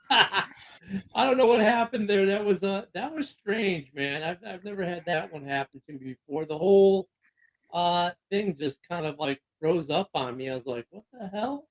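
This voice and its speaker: A man's voice: high-pitched, a little slow. A man co-hosting a casual sports chat show, talking loosely with fillers and laughs. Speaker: podcast co-host.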